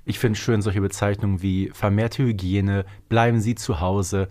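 A man's voice: fairly low pitch, steady tone, normal speed, a little mellow. A man co-hosting a podcast, explaining things in casual, conversational talk. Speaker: podcast co-host.

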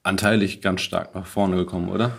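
A man's voice: deep voice, level tone, fairly quick, creaky, breathy edge. A man with a German accent hosting a podcast conversation in an informal, colloquial way. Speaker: podcast host. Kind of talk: casual chat.

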